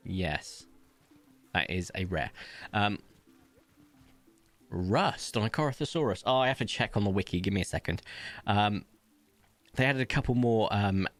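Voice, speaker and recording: A man hosting a casual let's-play, chatty and upbeat, rambling and laughing often at his PC desk mic. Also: lowish voice. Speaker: gaming channel host.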